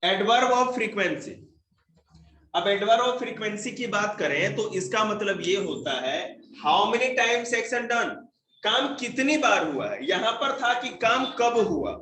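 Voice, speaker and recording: A man's voice: high voice, animated, slow, bright, forceful tone. A man with a Hindi accent teaching grammar to a classroom of children, joking and quizzing pupils by name. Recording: echoey room, faint noise.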